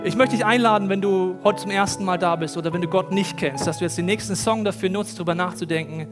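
High-voiced man preaching over music. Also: fast. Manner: lively storytelling, addresses listeners directly. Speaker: pastor. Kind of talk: sermon with personal stories. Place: church stage before a congregation.

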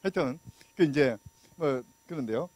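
A middle-aged man lectures on law with a handheld mic in a small room, his voice close and dry. His pitch sits a little high and swings widely as he talks. He keeps it conversational and tosses questions out to the listeners. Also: expressive, normal speed, a little mellow, no room sound, poor audio. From Busan, South Korea. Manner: conversational, asks the audience questions, many fillers; gestures and walks while talking. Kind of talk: public lecture.

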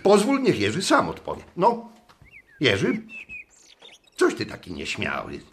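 A man's voice: mid-range voice, wildly swooping pitch, unhurried, a bit bright, slight background noise, exaggerated voice. A man playing a pedantic, darkly cheerful schoolteacher in a theatrical radio drama style, questioning his class. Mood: pedantic, needling.

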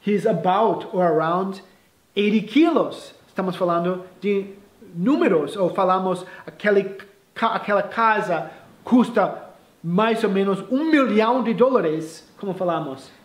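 High-voiced male teacher in an echoey room. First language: English. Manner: explains slowly with many restarts, mixing in English phrases. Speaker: English teacher. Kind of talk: casual bilingual lesson.

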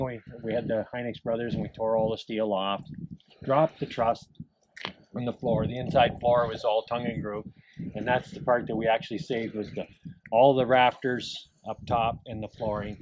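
Middle-aged guy, lowish voice, rambling barn story, outside noise on the cam. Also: muffled recording. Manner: rambling, chuckling, lots of fillers. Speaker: barn owner. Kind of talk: casual storytelling. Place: outdoors at a barn in the countryside. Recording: outdoor camera audio with clear background noise.

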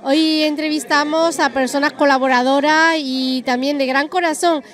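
A woman's voice: sits high, fairly even intonation, moderate pace. A middle-aged woman reporting from a lunch event with a handheld mic, chatty and effusive. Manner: chatty, effusive, self-aware talker. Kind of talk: event interview. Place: busy restaurant event indoors.

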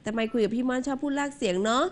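Woman radio host, fast and playful, slightly high voice. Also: slight background noise. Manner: chatty, teasing, quick questions. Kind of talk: radio business talk show. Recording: radio audio with faint ambience.

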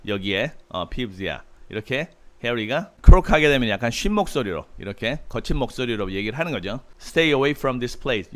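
Patient male tutor explaining slowly. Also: fairly low pitch. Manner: patient, explanatory, with frequent "uh" fillers; reads English phrases slowly and carefully. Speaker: English tutor. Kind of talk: book-reading lesson, reading English aloud and explaining in Korean.

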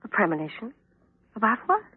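An actress playing an impatient young wife, brisk and sighing, in an old-time radio drama. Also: female voice, mid-range voice, sing-song, slightly rough. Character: cold, impatient American wife. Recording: noisy muffled old radio broadcast.

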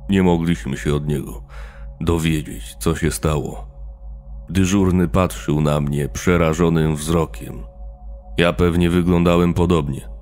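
A man's voice: low voice, fairly even intonation, measured pace, a little mellow, soft background music. A man voicing a shaken middle-aged male army warrant officer, retelling events in a grim, matter-of-fact way in a horror story reading.

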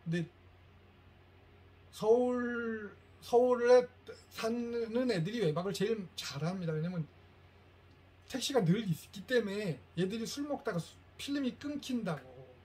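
A middle-aged man giving a lecture to parents, telling stories and acting out quoted lines with lively shifts. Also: high-pitched, measured pace, slight background noise. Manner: animated storytelling, acts out quoted lines.

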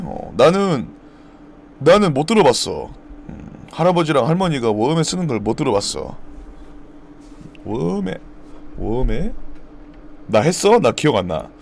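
Young man, live streamer, lively up-and-down voice, playful dialect mimicry, faint hiss behind. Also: medium pitch, creaky. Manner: playful, mimics regional dialect words loudly. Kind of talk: casual stream chat, reading viewer comments.

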